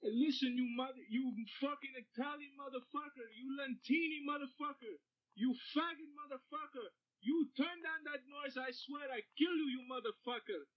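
A man playing a menacing foreign neighbor in broken English, crooning slow threats. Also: lo-fi sound. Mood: threatening. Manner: low crooning threats, repeats "my friend".

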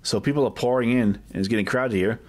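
A man's voice: medium pitch, fast talker, a little mellow. A man giving a casual shop tour as a vlog host, chatty and off the cuff, often tacking questions onto his remarks. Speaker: video host and comic collector. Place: inside a packed medium-sized shop. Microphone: handheld camera held by the speaker.

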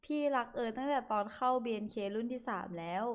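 A woman's voice: on the high side, quick pace, highs cut off. A young woman hosting a casual livestream, chatty and giggly as she reads comments aloud and thanks viewers. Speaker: livestream host reading chat.

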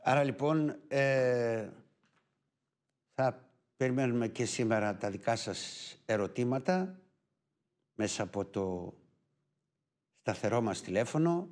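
A man's voice: medium pitch, expressive, a little mellow. Greek man hosting a live TV show. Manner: unhurried, with frequent filler pauses. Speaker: TV show host.

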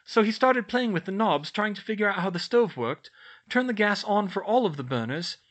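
Man playing a clever young girl witch, raised pitch, bright tone, brisk, reassuring, storybook character. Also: animated. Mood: soothing, explaining.

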